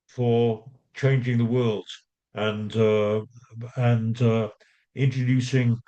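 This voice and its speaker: A man chairing an online meeting, introducing the session and the first speaker with frequent pauses and fillers. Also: mid-range voice, warm tone, dull audio. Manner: hesitant, many fillers and restarts. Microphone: video call.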